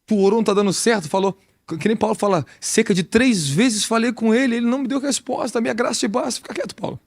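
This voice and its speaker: Gravelly and high-pitched, a man delivers a quick-paced sermon as an apostle, keeping it animated and conversational with a Brazilian Portuguese accent and plenty of rhetorical questions.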